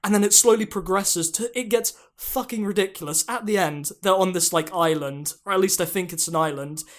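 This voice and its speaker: A man's voice: sits high, brisk. A man hosting a podcast, telling stories casually in a rambling way full of "like" and "um". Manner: rambling, filler-heavy storytelling. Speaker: podcast host. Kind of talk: casual chat.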